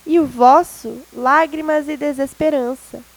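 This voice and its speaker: A woman reads an ardent young man in anguish, pouring out his love and grief in a storybook reading. The voice sits high and light for the part, with only a slight shift from her own telling. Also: fairly even intonation, a little slow, rough recording.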